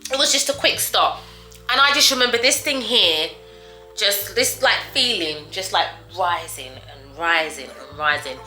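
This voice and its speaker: A woman's voice: a little high, sharp tone, echoey room. A woman vlogging a restaurant review, telling a story in a chatty, dramatic way and calling her viewers guys and darling. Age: older than her friends, adult. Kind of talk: casual storytelling to camera.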